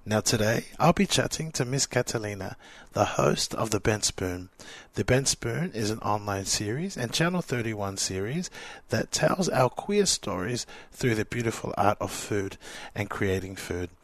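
A man's voice: on the low side, animated, a little slow, no room sound. A man hosting a conversational radio interview podcast. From Samoan, living in Australia.

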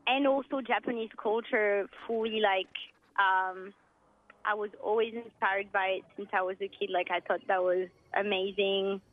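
A woman's voice: medium pitch, steady tone, normal speed. A woman from France, a musician guest chatting casually in an interview, rambling with lots of filler words. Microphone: phone. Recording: dull phone-call line.

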